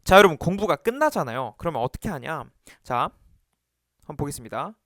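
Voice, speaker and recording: A man coaching viewers on exam study in a lively video lesson, acting out talking to himself as he explains. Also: fairly high pitch, fairly quick, no echo, clean studio sound. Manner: animated, talks to himself to demonstrate.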